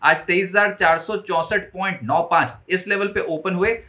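A man in his forties with an Indian accent presenting a stock market roundup, briskly and emphatically reeling off figures. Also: high-pitched, steady tone, pushed and bright. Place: studio, indoors before a branded backdrop.

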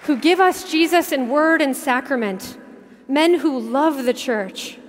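A woman in her thirties delivers an earnest keynote from a big arena stage, her fairly high voice carried by a headset mic. She speaks in measured phrases with dramatic pauses, dropping softer as she tells a story. A long reverb trails each line through the hall. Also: a faint crowd. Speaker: keynote speaker, religious sister. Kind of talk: inspirational keynote speech. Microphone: headset mic at a podium.

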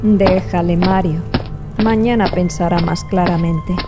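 An actress playing a warm, loyal, adventurous woman in an audio drama, soothing and affectionate. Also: fairly low pitch, fairly even intonation, a little slow, over music, natural voice. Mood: calming.

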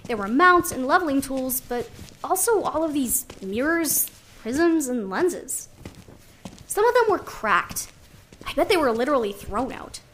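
A woman's voice: sits high, sing-song, a little slow, fairly bright tone, slight background noise, heavily acted. A woman playing a chatty, wry, caring artist who narrates conversationally in an audio drama. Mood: curious, excited.

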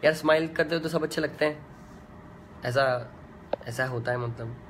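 A young man, a singer, chatting casually in a fan live chat, reading out comments in a relaxed way with many fillers. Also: medium pitch, moderate pace, noisy background. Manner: laid-back and chatty, full of "yaar" and "matlab" fillers.

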